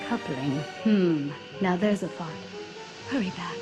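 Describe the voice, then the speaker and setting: A woman's voice: fairly low pitch, unhurried, loud music behind the voice, close to an everyday voice. An actress playing a shrewd, sardonic smuggler woman with a sly, teasing manner in an audio drama. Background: orchestral film score.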